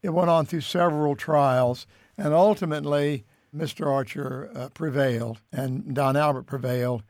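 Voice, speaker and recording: Measured American man, dry close recording. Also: a little high, fairly even intonation, darkish tone, no echo. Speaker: interviewee, musician and radio figure. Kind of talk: recounting history in an interview.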